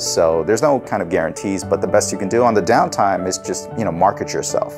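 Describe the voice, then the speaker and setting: Clear music plays behind a man speaking at a fairly quick pace. His pitch swings very widely. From United States. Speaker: voice actor. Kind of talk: interview answer. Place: home room. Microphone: lapel.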